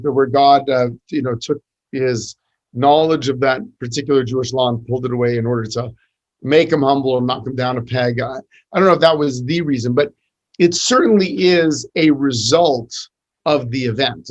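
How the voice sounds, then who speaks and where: A man's voice: medium pitch, poor audio. A middle-aged man, a rabbi, talking in a podcast interview, telling stories and teaching with many restarts and fillers. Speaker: rabbi and podcast host, guest.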